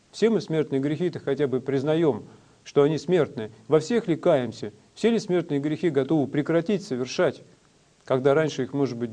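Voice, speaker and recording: A man preaching a sermon in a measured, instructive way, with frequent hesitations. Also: fairly high pitch, warm tone.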